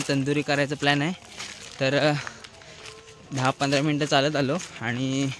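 The sound is dry with no echo, with noticeable background noise. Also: man. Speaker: vlogger. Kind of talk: casual vlog chat. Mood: cheerful, relaxed. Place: forest. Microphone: phone near.

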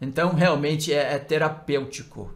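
A somewhat breathy man with an American accent at a fairly slow pace. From US South, rural Tennessee. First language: English (speaking Portuguese). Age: 50s. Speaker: stock market educator. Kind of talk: video monologue to camera. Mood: earnest, apologetic.

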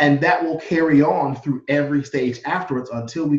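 Talking at a fairly quick pace, a man with a fairly high, somewhat breathy voice uses ordinary pitch variation, with audible room echo over a quiet background. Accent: American. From Chicago. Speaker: life coach and minister; life coach, minister. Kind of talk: casual interview. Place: home room. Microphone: webcam.

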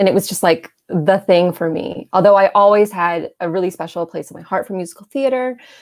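With an American accent, a woman speaks at a medium pitch with ordinary pitch variation and hardly any pauses. Her loudness swings widely against a quiet background. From Maine, US. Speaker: opera singer and former beauty queen; guest. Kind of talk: casual chat. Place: home room. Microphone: earbuds.

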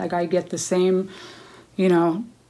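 Over noticeable background noise, a woman talks at a moderate pace in a medium-pitched voice. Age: 40s. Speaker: beauty vlogger. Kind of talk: casual chat. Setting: home bathroom.

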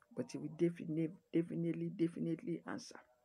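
A woman talks at a very fast pace in a fairly low pitch with a dark, mellow tone. The background is quiet. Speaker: minister. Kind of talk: sermon. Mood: warm, encouraging, occasional laughs. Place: home room.

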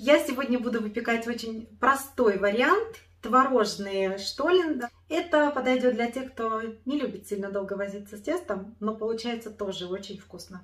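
A woman speaks at a moderate pace with ordinary pitch variation and big swings in loudness. The background is quiet. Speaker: home cooking vlogger. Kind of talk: cooking tutorial. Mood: cheerful, smiling. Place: kitchen.

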